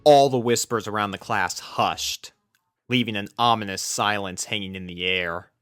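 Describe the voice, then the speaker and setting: A man's voice: on the low side, normal speed, fairly bright tone, clean tone, no echo, studio quality, soft background music. A man reading a scripted story aloud as its narrator. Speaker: fan fiction narrator.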